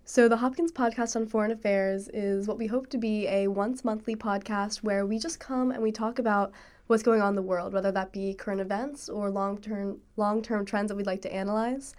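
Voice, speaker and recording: A woman's voice: mid-range voice, steady tone, normal speed, a little mellow. Young woman co-host, student, easygoing and reflective, mid-range voice. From Annapolis, Maryland. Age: young adult. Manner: friendly, thoughtful, with fillers. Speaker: podcast co-host. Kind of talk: casual student podcast chat.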